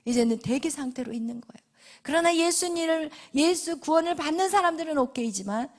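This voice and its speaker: A woman pastor delivers a sermon in a high-pitched voice. She questions her listeners and drops to a hushed whisper for the answers. In between she swells to emphatic, forceful peaks. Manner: asks the congregation questions, then answers them in a hushed whisper; emphatic, with sudden loud rises.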